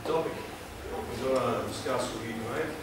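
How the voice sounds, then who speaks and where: A man's voice: medium pitch, fairly quick. A young man from Kazakhstan giving a prepared speech to a club audience in a small meeting room, earnest and hesitant with many fillers. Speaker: club speaker. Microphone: far camera, no mic. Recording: echoey room from far off, noisy.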